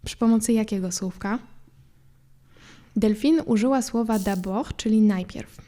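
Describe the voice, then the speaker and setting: A woman teaching a language lesson as a podcast host, explaining patiently and repeating words slowly for practice. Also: medium pitch, mellow.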